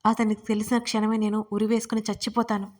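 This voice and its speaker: A woman's voice: medium pitch, level tone, fast talker, darkish tone, close to an everyday voice. Woman voicing a weary, resigned young woman. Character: gravely ill young woman, weary and withdrawn.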